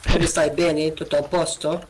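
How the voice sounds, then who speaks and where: A man's voice: a little high, level tone, normal speed, darkish tone, slight background noise, poor audio. A man from Libya, living abroad, talking to a teammate in an online game in patient, simple English. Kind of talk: casual gaming chat.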